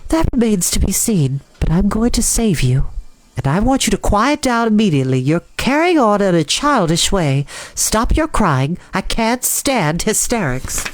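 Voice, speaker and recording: A storyteller voicing a calm, brisk, motherly female spider in a storybook, with a sweet tone. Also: mid-range voice, no echo, pitched above the performer's own voice, lightly acted. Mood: brisk, firm. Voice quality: sweet, musical.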